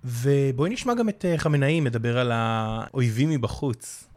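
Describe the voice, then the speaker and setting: A man's voice: mid-range voice, a little mellow. A man hosting a casual podcast discussion, asking questions in an inquisitive, playful way. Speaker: podcast host.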